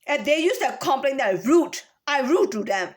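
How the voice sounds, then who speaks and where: A woman's voice: sits high, lively intonation, normal speed. A woman from Myanmar in a casual, rambling monologue to camera, full of rhetorical questions and restarts. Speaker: vlogger.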